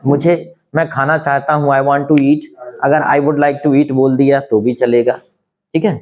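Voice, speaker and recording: A man whose first language is Hindi, teaching a spoken English lesson and explaining slowly with many rhetorical questions. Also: mid-range voice, level tone, darkish tone, muffled recording.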